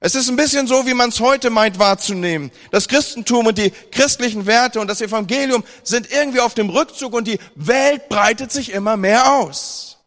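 A high-pitched man preaches to a seated congregation, with his voice ringing through a hall with long reverb. He is from northern Germany and mixes scripture reading with wry, joking retellings. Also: moderate pace, few pauses. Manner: lively, humorous retelling with mock dialogue.

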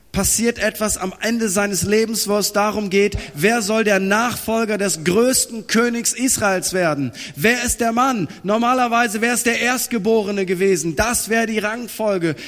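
A man preaching a sermon, animated and acting out little dialogues as he tells a story. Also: high voice, long reverb tail. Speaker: pastor.

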